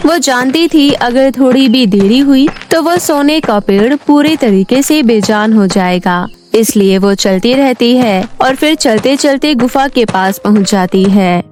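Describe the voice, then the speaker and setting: A woman's voice: fairly high pitch, expressive, a little slow, few pauses, darkish tone, faint music behind. A woman reading scripted narration for a children's moral story, as the storyteller.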